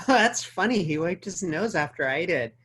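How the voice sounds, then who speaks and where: A woman playing a self-conscious, dramatic sixteen-year-old girl in a comedy table read, expressive and girlish. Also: fairly low pitch, unhurried, slightly rough, exaggerated voice. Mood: embarrassed panic.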